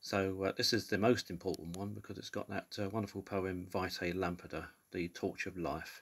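A man speaks at a low pitch with little pitch movement. His tone is fairly bright with a slightly husky edge.

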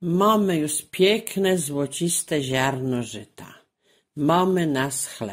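A woman's very deep, low voice with lively intonation, at a very slow pace, on a very clean recording with a silent background. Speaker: author of dialect tales. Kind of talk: dialect storytelling.

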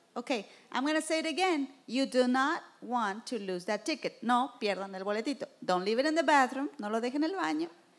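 The talk moves at a fairly quick pace with hardly any pauses. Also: woman, high pitch for a woman. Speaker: event host. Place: church. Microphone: handheld.

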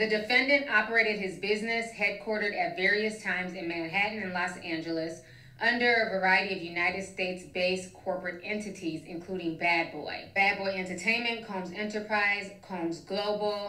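A woman talks at a fairly quick pace with hardly any pauses and fairly even intonation, with audible room echo around her. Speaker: reaction commentator. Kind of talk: reading document aloud with commentary. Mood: shocked, wry asides. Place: home room.

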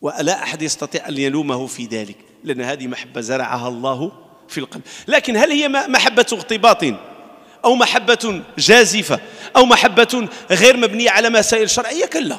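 With a Moroccan accent, a man speaks at a moderate pace in a raised, projected voice, his high pitch swinging very widely and his loudness shifting sharply against a quiet background. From Morocco. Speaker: imam. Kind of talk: sermon. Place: church. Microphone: podium.

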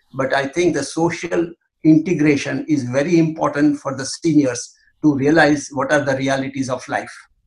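Over a quiet background, a man speaks with fairly even intonation. His voice is somewhat breathy and fairly high-pitched. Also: moderate pace. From India. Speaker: community organization president. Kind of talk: panel discussion. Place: home room. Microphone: video call.

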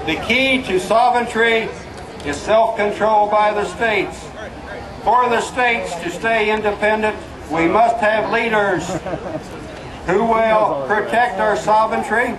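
Long, frequent pauses break up this fairly slow delivery. Noticeable background noise runs underneath. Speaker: activist rally speaker. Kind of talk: rally speech, impassioned patriotic address to a crowd. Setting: outdoor rally. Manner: rousing, rhetorical questions and slogan-like lines; earnest, homespun storytelling about small-town life. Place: open country.

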